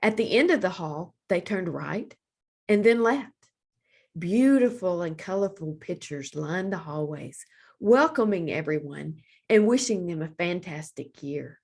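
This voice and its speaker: A woman reading aloud for young children as a librarian, with deliberate, expressive phrasing. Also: on the low side, breathy edge.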